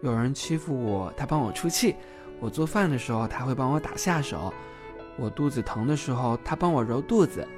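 A man's voice: mid-range voice, animated, a little fast, over music, close to an everyday voice. A man playing a sweet, bashful, teasing young gay man in an audio drama. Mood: tender.

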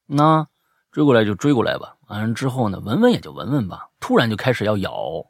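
A man with a husky, lowish voice tells his stories with emphatic energy. His pitch swings widely as he talks, and the sound is dry and close. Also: fairly quick, dry recording. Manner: animated, emphatic storyteller. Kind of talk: casual chat, storytelling.

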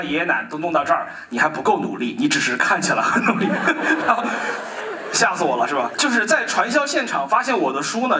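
A man in his thirties speaks quickly and brightly, his pitch leaping up and down as he tells stories and plays out the voices of the people in them. He is an author addressing a crowd at a book launch. The sound comes back off a roomy hall, caught from some way off the mic. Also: distant mic. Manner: animated storyteller, quotes people in dialogue, jokes with the audience. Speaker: author giving a talk. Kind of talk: lively public talk at a book launch.

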